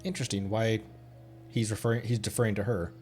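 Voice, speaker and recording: A man's voice: lowish voice, little pitch movement, quick pace, a little mellow, soft background music. A man doing casual live game commentary as a streamer, hesitantly thinking aloud. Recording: faint background noise.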